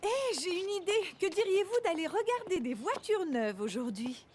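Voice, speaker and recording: A woman's voice: extremely high pitch, lively intonation, normal speed. A woman voicing an upbeat, caring young mother in a children's cartoon. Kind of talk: cartoon voice acting.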